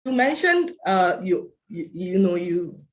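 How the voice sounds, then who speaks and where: An interviewer hosting a casual chat, speaking excitedly with many fillers like you know and like. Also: medium pitch, a little slow. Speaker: interviewer host. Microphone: video call.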